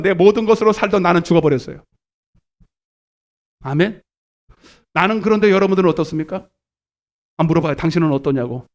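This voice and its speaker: Animated male pastor preaching live. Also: high-pitched. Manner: animated preaching, calls congregation to repeat, swings from shouts to murmurs. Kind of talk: live sermon. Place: church sanctuary.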